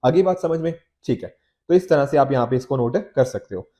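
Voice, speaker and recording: A man's voice: medium pitch, fairly quick, warm tone. An Indian man lecturing in a conversational, explanatory way as a teacher, often checking in with listeners, his throat a little off from a slight cold. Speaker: teacher, exam coach. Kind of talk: explanatory lecture on newspaper editorials, Hindi mixed with English.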